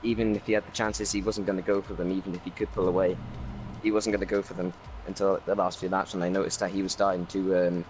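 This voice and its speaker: A Welsh man talking through his race as a league driver in a casual interview, rambling with many fillers and speeding up when excited. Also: low voice, fast talker, slight background noise, low-quality recording. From Wales.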